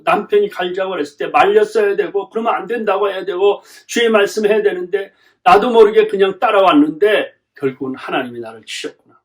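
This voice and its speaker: A middle-aged male pastor preaching a sermon, pressing his points with rhetorical questions and repeated lists. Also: a little high.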